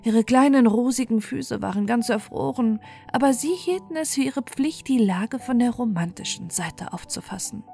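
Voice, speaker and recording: A woman's voice: a little high, expressive, moderate pace, vocal fry, few pauses, dark tone. A woman storyteller narrating a scripted bedtime fairy tale, with music playing behind her.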